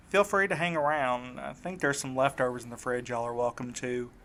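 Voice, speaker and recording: A man's voice: medium pitch, steady tone, normal speed, fairly bright tone, close to an everyday voice. A man playing a weary, shaken young man in a fiction podcast, speaking in a wry, conversational, folksy way. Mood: exhausted, grumbling. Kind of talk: naturalistic fiction podcast acting.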